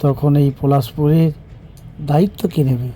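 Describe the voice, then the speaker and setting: Man playing aging worried king, dark mellow voice. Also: a little high, steady tone, normal speed, slight background noise, lightly acted. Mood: worried, pensive. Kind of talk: Bengali animated fairy-tale dialogue.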